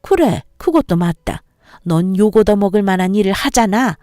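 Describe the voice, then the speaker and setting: A domineering older mother-in-law scolds and insults in a harsh, bossy voice, as a woman reads her part. The tone is mellow rather than bright. The recording is dry and close, like a narrated story. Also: mid-range voice, animated, normal speed, no room sound, faint music behind, lightly acted. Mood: scolding.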